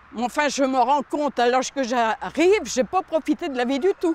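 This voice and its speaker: A woman speaks at a moderate pace with a high pitch and lively intonation. The sound is dry and close with no echo, though background noise is noticeable. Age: 80s+. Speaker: retired poultry farmer. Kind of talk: casual documentary interview.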